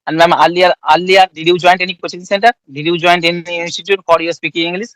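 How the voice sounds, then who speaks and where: A man from West Bengal with an Indian accent, asking polite, halting questions with many restarts on an English practice call. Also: high voice, level tone, fairly bright tone, no echo, rough recording. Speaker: conversation partner asking questions. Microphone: online call.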